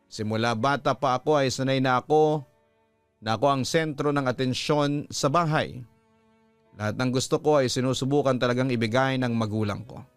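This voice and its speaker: A Filipino man working as a storytelling host, reading a scripted first-person letter in a measured, earnest way. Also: mid-range voice, clear, resonant tone, no room sound. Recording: music playing behind the voice. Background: background music.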